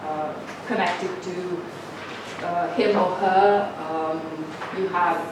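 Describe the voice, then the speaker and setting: A woman from northern Slovenia gives a seminar lecture, pausing often on filler sounds and inviting the audience to answer her questions. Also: on the low side, fairly even intonation. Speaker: guest lecturer. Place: lecture room. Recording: very echoey room, mic far off, noisy.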